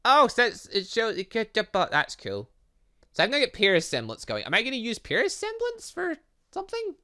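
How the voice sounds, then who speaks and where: A man giving let's play commentary on a game, excitable and reactive, reading dialogue aloud as he goes. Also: extremely high pitch, normal speed. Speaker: gaming channel host.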